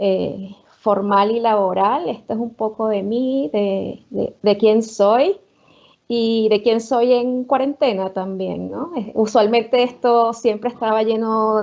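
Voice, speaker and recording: With a Venezuelan accent, the voice keeps a fairly even intonation. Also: woman. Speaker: marketing executive. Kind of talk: online talk. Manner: hesitant with frequent fillers.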